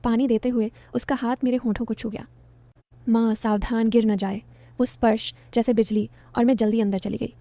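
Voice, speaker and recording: A woman's voice: on the high side, fairly even intonation, a little fast, few pauses, warm tone, no echo. A woman narrating a story in the first person, in a confiding, dramatic way.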